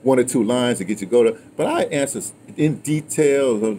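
A man's voice: medium pitch, brisk, warm tone. Older American man, emphatic, digressive storyteller. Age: older, 60s or 70s. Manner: emphatic, digressive, repeats words. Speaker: interviewer and former radio dramatist telling his own history. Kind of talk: casual conversational storytelling. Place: outdoor patio at a table. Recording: noisy outdoor restaurant ambience.

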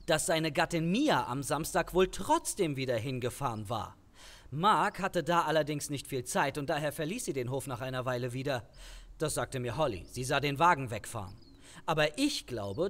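An actor playing an eager, roundabout amateur investigator in a crime radio drama, explaining things in an animated way. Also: male voice, on the high side, moderate pace. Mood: eager, secretive.

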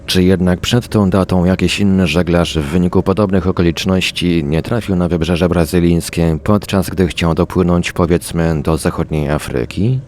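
Low-pitched man reading scripted narration. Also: a little mellow, a little hiss or hum. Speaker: narrator and presenter of a radio audiobook.

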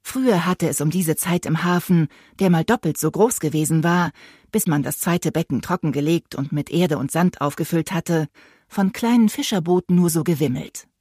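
Female audiobook narrator: steady storytelling, slightly low and husky. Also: moderate pace, no echo, studio quality.

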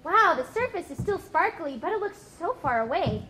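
An eager young whale, played by a woman in a puppet show, talks with wide-eyed enthusiasm. Her voice sits very high. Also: sing-song, normal speed, sharp tone, a little hiss or hum, exaggerated voice. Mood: curious. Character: young female sperm whale, curious and eager.

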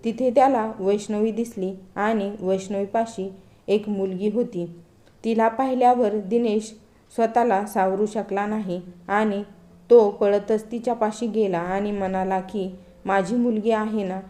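Woman storyteller, mellow tone, steady earnest narration. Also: mid-range voice, measured pace.

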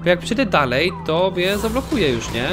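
A man's voice: high-pitched, moderate pace, music in the background. A young man commenting casually on his own gameplay, joking and swearing at himself. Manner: animated, swears a lot, jokey self-talk. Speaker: gaming channel host. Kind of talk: let's play commentary.

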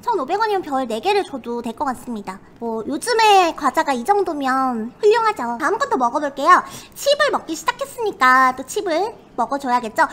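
A woman's voice: high voice, sing-song, a little fast, hardly any pauses, fairly bright tone. A woman with a girlish, cutesy voice, hosting a casual snack review livestream in a polite, perky way. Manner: polite, perky, refers to herself by name.

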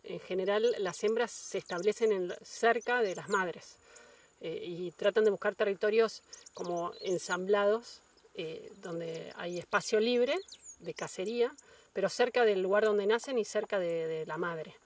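A woman's voice: mid-range voice, unhurried. A woman with an Argentine accent explaining conservation work in an unscripted documentary interview. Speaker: conservation project worker being interviewed.

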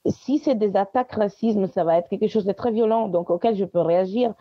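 A woman's voice: mid-range voice, brisk, no echo. A woman from Italy, speaking French as a podcast guest and sharing personal testimony in conversation. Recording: dry, dull lo-fi sound.

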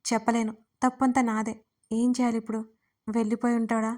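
Woman reading a worried young woman in a story, urgent and pleading, highish flat voice. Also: a little fast, lightly acted. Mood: anxious. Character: distraught young woman, anxious and tearful.

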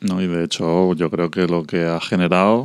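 Deep smooth man, calm. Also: moderate pace, dry recording, clean studio sound. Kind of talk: podcast conversation.

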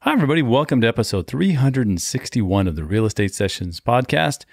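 A man's voice: mid-range voice, expressive, fast, creaky, no echo, soft background music. Upbeat male podcast host, dry sound. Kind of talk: podcast interview. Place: hallway at a conference.

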